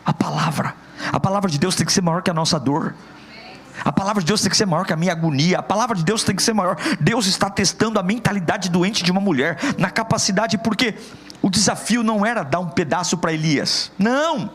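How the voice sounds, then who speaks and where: A man's voice: sits high, a little fast, fairly bright tone, breathy edge. A man preaching a sermon as a pastor, impassioned and acting out the people he quotes.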